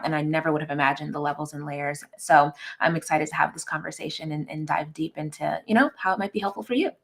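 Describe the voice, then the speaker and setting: A woman from Uganda, raised in the United States, speaking as an interview guest in an earnest, reflective, conversational way. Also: deep voice. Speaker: wealth coach and guest.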